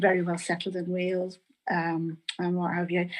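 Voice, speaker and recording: A woman with a Northern Irish accent speaks at a moderate pace and medium pitch, recorded very cleanly against a silent background. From Northern Ireland, Omagh, County Tyrone. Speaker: crime writer, award winner. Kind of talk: acceptance remarks and reading aloud. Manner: hesitant, many ums.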